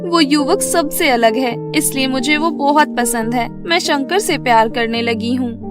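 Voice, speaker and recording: Casting: actress as young fairy heroine for cartoon storybook, very high voice, earnest, lovestruck, music underneath. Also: female voice, a little slow. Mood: lovelorn, earnest. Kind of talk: Hindi animated fairy-tale voice acting.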